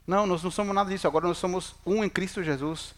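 A man's voice: sits high, steady tone, racing, fairly bright tone. A middle-aged man preaching in Portuguese, a pastor who jokes with the congregation and asks them questions. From Chile. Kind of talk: sermon.

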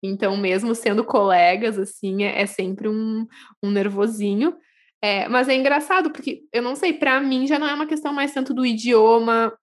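Chatty young woman, fairly high voice. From Brazil. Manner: animated storytelling, frequent laughs and self-corrections. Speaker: podcast guest. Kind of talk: casual chat.

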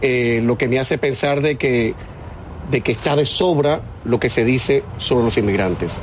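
A man's voice: medium pitch, measured pace, a little hiss or hum. A man hosting a casual studio interview, chatty and joking, with frequent restarts. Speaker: TV host.

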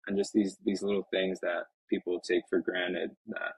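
Low flat husky young man. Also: dry recording, low-quality recording. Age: 20s. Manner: reflective, halting, many restarts. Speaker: professional soccer player, guest. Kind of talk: casual interview talk. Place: Lisbon.

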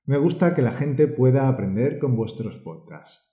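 A man co-hosting a language-learning podcast, speaking and reading aloud in a measured, encouraging teacher's way. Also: mid-range voice, lively intonation, reverberant, dull audio. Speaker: podcast co-host.

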